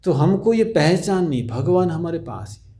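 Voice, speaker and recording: A monk giving a religious discourse, telling stories gently and often checking with his listeners. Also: a little high, big pitch swings, normal speed. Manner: gentle storytelling, often asks listeners "ठीक है ना?" with soft laughs. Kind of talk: sermon.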